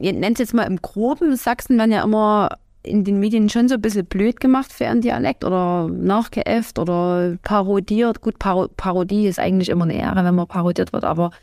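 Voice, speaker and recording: A woman's voice: mid-range voice, a little mellow, no echo. Woman, Saxon accent, podcast co-host, casual chat, hesitant fillers, dry close sound. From Erzgebirge, Saxony. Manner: chatty, hesitant with fillers, laughs easily. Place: home party room.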